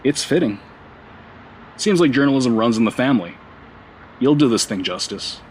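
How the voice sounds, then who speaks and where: A man's voice: medium pitch, expressive, normal speed, slight background noise, lightly acted, rough recording. An actor playing a laid-back, supportive male friend with a dry sense of humour, in a naturalistic audio drama.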